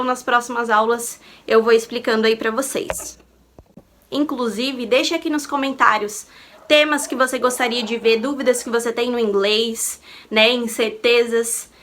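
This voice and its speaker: A woman's voice: fairly high pitch, sharp tone. A Brazilian woman teaching English grammar in an online lesson, explaining patiently and repeating each point with rhetorical questions. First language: Portuguese.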